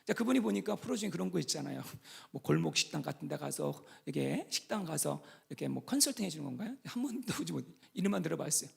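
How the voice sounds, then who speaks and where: High gravelly Korean pastor preaching. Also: male voice, expressive, fast talker. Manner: swings from hushed asides to loud emphatic repetition; mixes English words into his preaching. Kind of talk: sermon. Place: church sanctuary.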